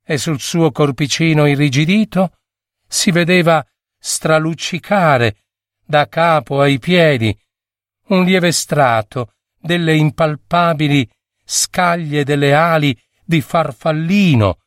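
Slow, expressive male storyteller. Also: a little high, dry recording, clean studio sound. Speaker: narrator. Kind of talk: expressive fairy-tale reading.

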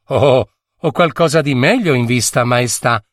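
A man voicing a composed peasant girl in a read-aloud fairy tale, answering in a lowered, polite voice. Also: a little slow, no room sound, studio quality, lightly acted. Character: calm, self-assured peasant girl.

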